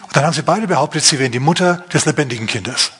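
Husky-voiced man preaching with animated storytelling. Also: fairly high pitch, racing. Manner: animated storytelling, acts out the characters' lines. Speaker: pastor. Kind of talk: sermon. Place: church service.

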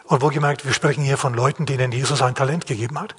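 A man's voice: mid-range voice, fairly even intonation, fast talker, noisy background. A man preaching a sermon in a plain-spoken, questioning way, acting out the quotes. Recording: long hall reverb.

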